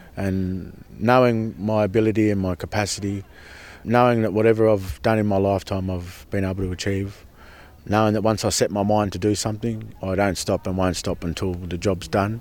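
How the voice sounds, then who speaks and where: With an Australian accent, a man talks at a fairly quick pace. His voice is fairly low, with fairly even intonation. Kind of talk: interview. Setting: outdoors.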